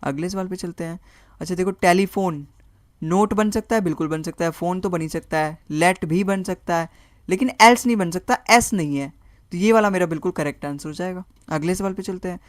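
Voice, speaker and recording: A man's voice: high voice, a little fast, no room sound, clean studio sound. A man teaching a reasoning lesson for exam prep. He works through each answer option aloud, repeating words and checking in with his students. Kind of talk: online exam-prep lesson, Hindi mixed with English.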